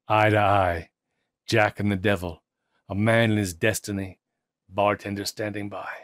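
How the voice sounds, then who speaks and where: A man reads a literary story with theatrical emphasis and deliberate pauses. His voice sits fairly low. The recording is dry and close, with little room sound. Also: flat delivery, no room sound. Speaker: audiobook narrator.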